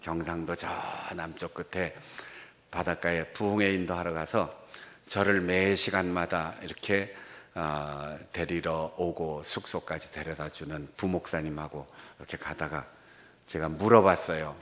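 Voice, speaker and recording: Lowish-voiced pastor preaching with a Gangwon accent. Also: male voice, a little slow. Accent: Gangwon Korean. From Korea. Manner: animated storytelling, acting out quoted dialogue. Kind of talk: sermon.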